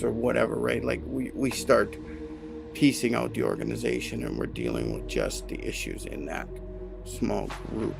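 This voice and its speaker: Gravelly-voiced man hosting an HR livestream. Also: medium pitch. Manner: conversational, self-correcting, asks "right?" often. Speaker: HR consultant hosting a live stream. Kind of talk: casual livestream talk.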